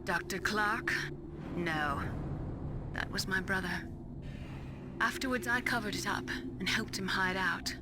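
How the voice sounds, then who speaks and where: A woman playing a grave, remorseful scientist with secrets in a dramatic video game, explaining in a measured, clinical way. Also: mid-range voice, heavy background noise, lightly acted. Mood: subdued, reflective. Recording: loud music behind the voice.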